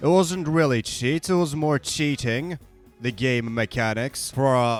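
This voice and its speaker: With music in the background, a man speaks at a very slow pace with ordinary pitch variation. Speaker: gaming YouTuber. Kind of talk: comedic gameplay commentary.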